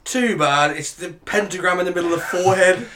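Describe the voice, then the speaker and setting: British man with dry quips, high voice. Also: a little fast, far from the mic, a crowd in the background. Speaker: podcast co-host. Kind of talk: casual chat.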